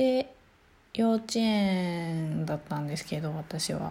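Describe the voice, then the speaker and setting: A woman speaks with a dark, mellow tone, a somewhat breathy quality and lively intonation. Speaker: solo podcaster. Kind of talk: casual solo monologue. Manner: unedited, with pauses and fillers.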